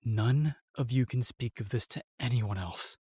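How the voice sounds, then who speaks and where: A man playing a solemn, remorseful knight in a fantasy audio drama, telling things in a halting, weighty way. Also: medium pitch, darkish tone, slightly rough, no echo, clean studio sound. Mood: pained. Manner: halting, weighty storytelling with sighs and pauses. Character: solemn, remorseful knight, sworn protector of the realm.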